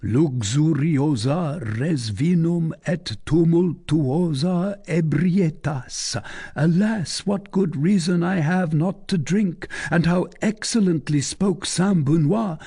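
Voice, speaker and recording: A man's voice: a little high, vocal fry, dark tone, husky, pitched above the performer's own voice, full character voice. A man voicing a melancholy, philosophical male poet in an audiobook, musing and wistful. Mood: rueful.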